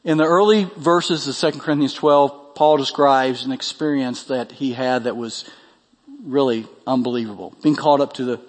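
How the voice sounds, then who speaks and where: A man's voice: fairly even intonation, moderate pace. Man preaching in an echoing hall. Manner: earnest preaching, rising in pitch when quoting scripture. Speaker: pastor. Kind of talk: sermon.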